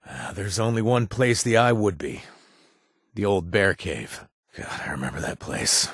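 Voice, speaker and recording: Game companion: deep, husky ex-raider, gruff but loyal, dry wit, close dry studio sound. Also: male voice, no room sound, exaggerated voice. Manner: earnest and blunt, with dry humor. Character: former raider man, gruff but loyal, hunting for his lost brother. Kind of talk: video game voice acting.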